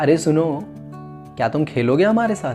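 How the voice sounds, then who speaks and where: A man is speaking. Music plays in the background. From India. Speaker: poet and storyteller. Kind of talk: spoken-word love story performance.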